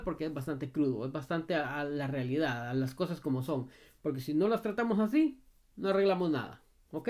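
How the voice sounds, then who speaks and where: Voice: mid-range voice, darkish tone. A dog trainer answering a viewer's question in a casual advice video, talking straight to the viewer and repeating points with a frequent "ok?". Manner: emphatic and repetitive, often asks "ok?"; talks straight to the viewer in familiar second person.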